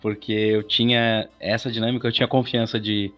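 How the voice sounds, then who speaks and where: A man's voice: lowish voice, flat delivery, moderate pace, fairly bright tone, soft background music. A man with a Brazilian accent telling stories as an interview guest in a casual, chatty way, acting out quoted asides.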